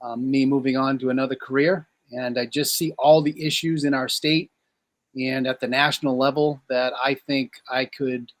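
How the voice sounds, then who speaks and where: A man in his fifties from Maine, speaking as an interview guest. He talks plainly and steadily at a medium pitch, recorded dry and close. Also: little pitch movement, normal speed, no echo. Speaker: police chief and congressional candidate.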